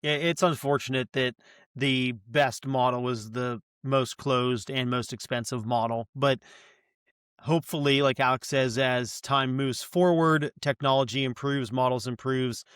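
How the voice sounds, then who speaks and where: A man speaking as a podcast guest, enthusiastically giving advice and quickly agreeing with the others. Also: mid-range voice, steady tone, a bit bright, clear, resonant tone, dry recording, studio quality. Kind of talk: casual podcast chat.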